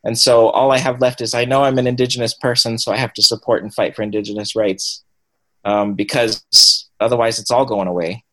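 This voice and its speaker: A young man talks through his answers in an interview, pausing often with ums and starting sentences over. His voice sits at an ordinary middle pitch, and his delivery is reflective rather than polished. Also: fairly even intonation, a bit bright, low-quality recording. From Washington State and Cambodia. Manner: thoughtful, many ums and restarts. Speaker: guest. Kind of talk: conversational interview.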